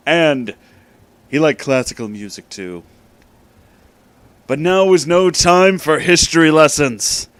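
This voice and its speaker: A man hosting in a casual, informal way, with emphatic, dramatic delivery. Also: mid-range voice. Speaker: host reading fan fiction aloud. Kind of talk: casual comedic storytelling.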